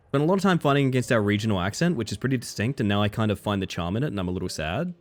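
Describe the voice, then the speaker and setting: A man's voice: on the low side, a little mellow. A man with an Australian accent, chatting casually with his live-stream audience while gaming, reading chat aloud and swearing now and then.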